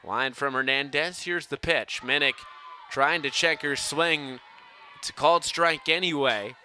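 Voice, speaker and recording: A man's voice: a little high, measured pace, pushed and bright, some chatter behind. A young man calling live sports play-by-play in a projected voice that rises for big plays. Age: young adult. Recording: faint ambient outdoor noise behind.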